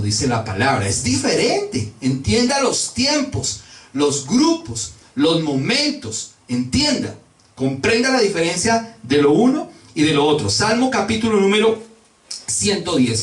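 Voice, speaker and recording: A male preacher delivers a sermon in a high, swooping voice, stretching out and repeating his key words. He sounds like he is standing some way from the microphone, and the room around him rings with echo. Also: a bit bright. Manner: emphatic, drawing out key words and repeating them. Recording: echoey room, voice from a distance.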